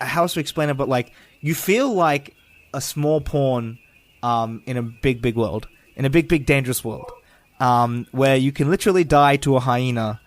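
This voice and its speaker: Man, podcast co-host, casual chat, rambling, filler-heavy. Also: medium pitch. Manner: rambling, searching for words with many fillers.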